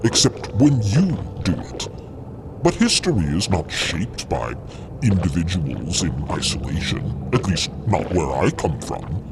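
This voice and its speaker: A man plays a dismissive, argumentative explorer in an audio drama. His voice is deep and hugely animated, with slow, condescending delivery over clear background ambience. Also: noisy background, exaggerated voice. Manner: condescending, arguing. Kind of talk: audio fiction acting.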